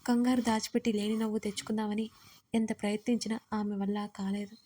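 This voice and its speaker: A woman's voice: mid-range voice, level tone, a little fast, warm tone. A woman narrating an emotional audio story in a scripted reading style.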